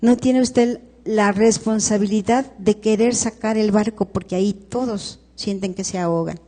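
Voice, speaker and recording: Mexican woman counselor, calm and instructive, fond of rhetorical questions. Warm, dark tone in a reverberant hall. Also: mid-range voice, moderate pace. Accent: Mexican Spanish. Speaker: grief counselor leading a workshop. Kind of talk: counseling talk to an audience. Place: large hall at a live workshop. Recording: live stream, long hall reverb.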